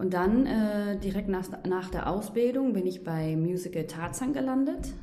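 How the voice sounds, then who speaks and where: A woman's medium-pitched voice with lively intonation, a fairly slow pace and audible room echo. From Netherlands. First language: Dutch (speaking German). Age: 30s. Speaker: singer. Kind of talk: casual interview.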